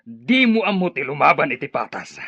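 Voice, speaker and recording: An actor playing a proud captive tribal leader, indignant and challenging, with an Ilocano accent, in a radio drama. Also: male voice, a little high, big pitch swings, normal speed, husky, no echo, heavily acted. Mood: angry, challenging. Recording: muffled, band-limited radio drama recording.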